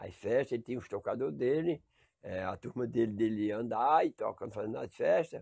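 Dark and mellow, a man's voice moves with lively intonation. The background is quiet. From Brazil, Pernambuco countryside (Riacho das Almas, near Caruaru); Pernambuco, Brazil. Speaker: folk musician, fife player. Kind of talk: life-story interview. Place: home room.

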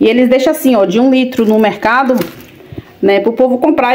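This is a woman speaking. Her pitch is high. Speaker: home vlogger. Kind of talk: casual vlog chat. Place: kitchen. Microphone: phone near.

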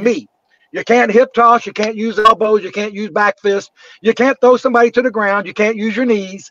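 A man with a high pitch speaks at a moderate pace in a Southern US accent. The sound is dry with no echo, and there is light background noise. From Nashville, Tennessee. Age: 50s. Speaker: combat sports manager and former bare knuckle fighter. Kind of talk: interview answer. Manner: energetic, enthusiastic. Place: car. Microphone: video call.

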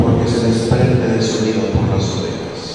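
A man at a very slow pace, with strong room echo and noticeable background noise. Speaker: bishop preaching. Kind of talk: sermon. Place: church.

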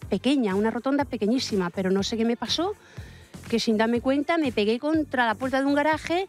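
With faint music in the background, a woman speaks at a fairly quick pace in a fairly high pitch with ordinary pitch variation, the sound dry with no echo. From León, Spain. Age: 70s. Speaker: veteran discus thrower. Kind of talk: interview answer. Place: stadium. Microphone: handheld.

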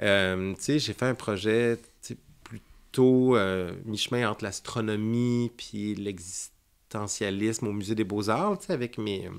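A man's fairly low voice with a Quebec accent, very slow pace and fairly even intonation, on a very clean recording with a silent background. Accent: Québécois French. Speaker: visual artist. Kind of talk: casual interview.

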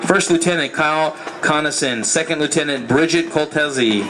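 Noticeable background noise sits behind a man's voice. He speaks at a moderate pace with fairly even intonation. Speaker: stadium announcer. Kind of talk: formal announcement reading. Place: stadium.

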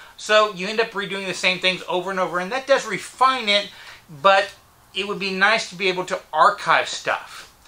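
Using a raised, projected voice, a man speaks at a moderate pace with fairly even intonation. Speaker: woodworking content creator. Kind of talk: casual vlog chat. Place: workshop.

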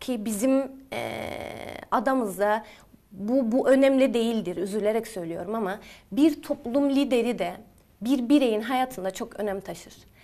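Her tone is dark and mellow, and her pitch is fairly high for a woman. She talks at a moderate pace with ordinary pitch variation. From Northern Cyprus. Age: 30s. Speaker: parliamentary candidate; candidate. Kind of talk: TV interview. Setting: studio. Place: studio. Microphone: lapel.

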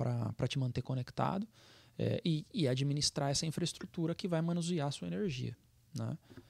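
A man's fairly high, somewhat breathy voice with lively intonation at a moderate pace, dry with no echo, over a quiet background. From Brazil. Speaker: solar panel business owner; podcast guest. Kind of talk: casual interview chat. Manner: halting. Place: studio. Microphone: studio mic.

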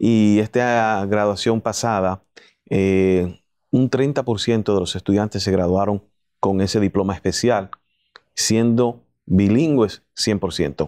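Against a quiet background, a man with a dark, mellow tone and fairly low pitch speaks at a very slow pace. His loudness stays very even, with ordinary pitch variation. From Dominican Republic (Santiago); Dominican Republic. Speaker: school superintendent; interview guest. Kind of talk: interview. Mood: calm, reflective. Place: studio. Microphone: lapel.

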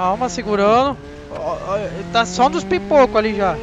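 A man with a Brazilian accent speaks at a fairly slow pace over noticeable background noise. His pitch is high and his intonation lively. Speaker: gaming youtuber. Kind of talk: gameplay commentary. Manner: animated.

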